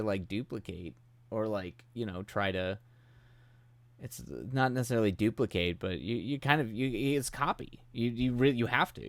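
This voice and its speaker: A man's voice: lowish voice, dry recording. A man hosting a live writing stream, chatting casually and rambling with a self-deprecating humor, while he's coming down with a cold and his voice is starting to go. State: getting sick, voice starting to go.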